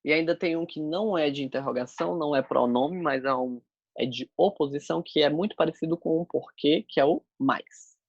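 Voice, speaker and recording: Gravelly man teaching a class. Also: on the high side, brisk, no room sound, muffled recording. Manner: explains step by step while demonstrating signs. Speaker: sign language teacher. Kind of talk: online class explanation.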